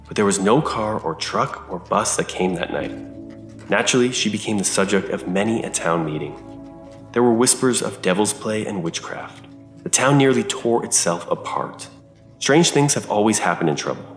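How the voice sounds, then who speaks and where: An actor playing an old, lonely country reverend in an audio drama, solemn and hospitable, with measured, formal phrasing. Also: male voice, on the low side, lively intonation, natural voice. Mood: grave, regretful. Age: older. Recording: roomy echo under music.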